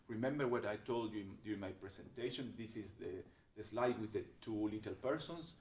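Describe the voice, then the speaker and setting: A man's voice: on the low side, slight background noise. Methodical man explaining rules in a roomy space. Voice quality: strong voice. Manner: methodical, explanatory, with frequent restarts and hesitations. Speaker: expert presenter answering questions. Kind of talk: webinar Q&A explanation. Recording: roomy webinar audio with a distant mic.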